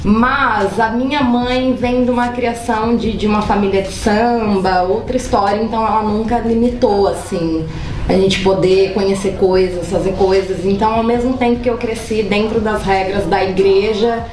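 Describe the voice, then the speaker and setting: A woman speaks as a guest at a calm, measured pace. Her pitch is mid-range for a woman. The room echoes, and a faint hiss sits underneath. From Piracicaba, São Paulo state. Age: 20s.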